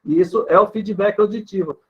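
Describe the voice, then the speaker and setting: A male speech therapist with a Brazilian Portuguese accent patiently explains things with examples in an interview answer, often ending sentences with a questioning "né". His voice sits high, a little fast, with a breathy edge, and the recording has a dull, lo-fi sound.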